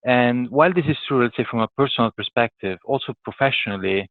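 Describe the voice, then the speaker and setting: A man's voice: mid-range voice, fast, no echo. An Italian man with an Italian accent answering interview questions conversationally as a podcast guest, hesitant and thinking aloud in broken phrases. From Italy. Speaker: podcast guest, corporate professional. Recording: thin phone-like call audio.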